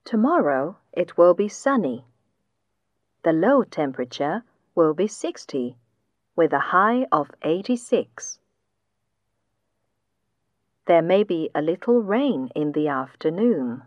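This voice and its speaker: A woman reading a weather report slowly and clearly for a listening test, with a dull lo-fi sound like AM radio. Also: fairly low pitch, sing-song, no echo. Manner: slow, deliberate, clearly enunciated reading. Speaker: test passage reader.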